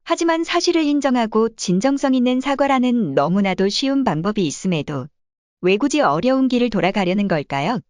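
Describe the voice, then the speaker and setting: A woman's voice: a little high, no echo. A woman narrating a video in a scripted read. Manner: fast, lively reading.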